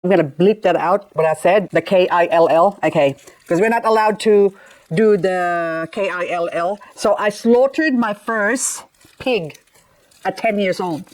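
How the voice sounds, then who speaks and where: In this low-quality recording, a middle-aged woman raised in the Philippines talks at a measured pace in a fairly low, darkish voice. She's a gardening vlogger cleaning up and repotting succulents in a casual vlog, chatting playfully and tossing in self-mocking asides.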